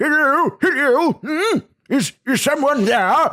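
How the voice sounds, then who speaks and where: Raised and projected, this put-on character voice from a man sits at an extremely high pitch and unfolds at a fairly slow pace. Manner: tentative, confused.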